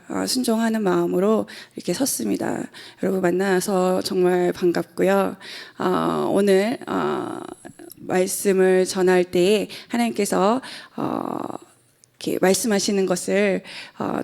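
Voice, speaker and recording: Woman, 40s, pastor's wife at the pulpit, earnest and a bit nervous, hesitant pauses, light fry in the voice. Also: mid-range voice, a little mellow. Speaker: pastor's wife giving testimony. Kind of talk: church testimony and sermon. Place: church sanctuary at the pulpit.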